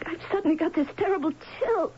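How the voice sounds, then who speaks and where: A woman acting a frightened, distraught young wife in a radio mystery drama, speaking in an anxious, halting way. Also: extremely high pitch. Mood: panicked. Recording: dull, noisy vintage radio recording.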